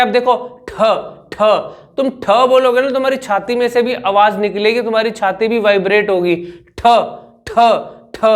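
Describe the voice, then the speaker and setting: Brief: young male speech coach with a high voice, drills syllables over and over. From India. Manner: demonstrates sounds by repeating syllables. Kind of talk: speech therapy lesson.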